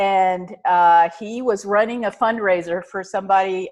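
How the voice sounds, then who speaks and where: A woman's plain, everyday voice at medium pitch, with fairly even intonation, against a quiet background. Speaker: nonprofit executive director. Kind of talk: webinar presentation. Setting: webinar call.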